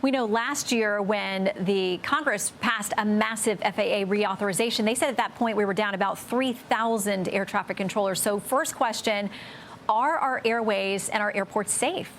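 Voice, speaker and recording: A woman, a TV news anchor, asking clear, structured interview questions. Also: mid-range voice, moderate pace, a little hiss or hum.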